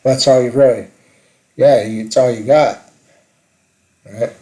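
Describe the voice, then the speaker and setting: A man in casual, reflective conversation, halting and tentative as he searches for words. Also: mid-range voice, fairly even intonation, warm tone.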